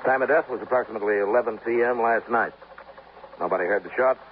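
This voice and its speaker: An actor playing a weary police lieutenant in a 1950s radio drama, briefing in a brisk, matter-of-fact way. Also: male voice, fairly low pitch, lightly acted. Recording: dull old radio broadcast with faint hiss.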